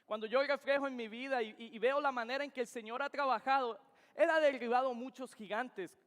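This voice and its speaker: A young Venezuelan man delivers an earnest, emphatic sermon in a very high-pitched, brisk, slightly bright voice, repeating his key phrases. He is in a church sanctuary, and the recording echoes with the reverb of the church hall.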